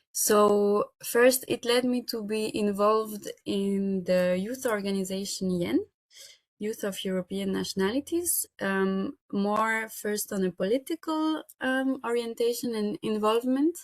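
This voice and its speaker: A woman with a Lusatian accent speaks at a fairly slow pace, her pitch fairly high with ordinary variation. The sound is dry and close with no echo, on a very clean recording over a silent background. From France, Sorbian family from East Germany. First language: Sorbian. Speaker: theatre and minority language activist. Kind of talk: presentation. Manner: halting.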